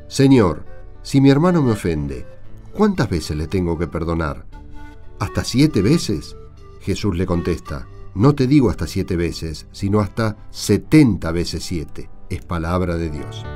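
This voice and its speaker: A man's voice: sits low, sing-song, unhurried, warm tone, faint music behind. A man with an Argentine accent speaking and reading in a radio drama style. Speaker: cast member of a religious radio show.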